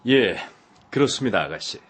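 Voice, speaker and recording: A tall, friendly workman, voiced by a man, drawls along in an audiobook, hesitating with little fillers. His pitch sits mid-range but swings widely as he talks, and his delivery stays loose and unhurried. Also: lively intonation, slightly rough. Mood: easygoing. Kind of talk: audiobook dialogue.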